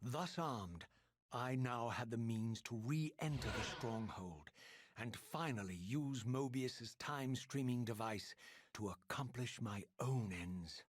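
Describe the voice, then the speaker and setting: A man's voice: mid-range voice, animated, slow pace, slight background noise. An actor voicing a solemn, vengeful undead male spirit in a video game, narrating in formal, grandiose language. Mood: solemn resolve. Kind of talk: scripted dramatic game narration.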